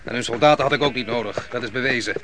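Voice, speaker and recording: Guy doing a proud vengeful army leader, radio play, sharp commanding voice, bit of background noise. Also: mid-range voice, racing, lightly acted. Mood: boastful, scornful. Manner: commanding, boastful, scornful.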